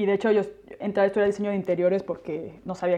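Speaking very fast, a woman has a Mexican accent and a medium pitch. Her tone is dark and mellow. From Mexico, moved around. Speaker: podcast host. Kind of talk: casual chat.

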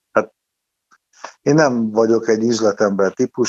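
Speaking at a fairly slow pace, a man with a plain, everyday voice keeps a fairly low pitch and fairly even intonation. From Budapest, Hungary. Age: 60s. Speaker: rock musician. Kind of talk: casual interview. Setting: phone call.

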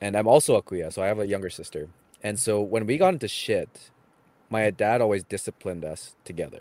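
Speaking at a moderate pace, the man has a medium-pitched voice with a dark, mellow tone. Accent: Canadian. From Philippines, raised in Western Canada. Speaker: podcast co-host and nurse. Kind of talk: casual chat.

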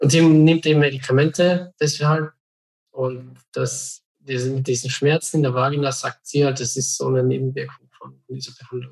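Speaking at a moderate pace, a man with a medium pitch sounds somewhat breathy, his intonation monotone and flat while his loudness swings widely. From southern Austria, near Klagenfurt (Carinthia). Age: 30s. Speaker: former coaching client. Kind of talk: casual interview. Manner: halting, many fillers and repetitions.

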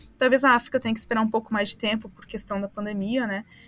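A woman speaks in an unremarkable speaking voice, fairly high in pitch with fairly even intonation. The recording is very clean with a silent background. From Brazil. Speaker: digital nomad, travel blogger. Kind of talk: interview.

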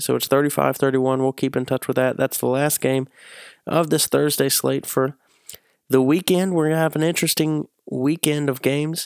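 A man with a Southern US accent in a very clean recording with a silent background. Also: dry, close sound with no echo. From Tennessee, US South. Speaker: sports podcast host. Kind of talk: solo sports commentary podcast.

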